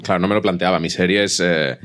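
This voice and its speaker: A man's voice: sits low, fairly even intonation, fast, a bit bright. A man with an accent from Spain, chatting colloquially on a panel and often interrupting himself. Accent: Spanish from Spain. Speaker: podcast fiction creator, panelist. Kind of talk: casual panel discussion.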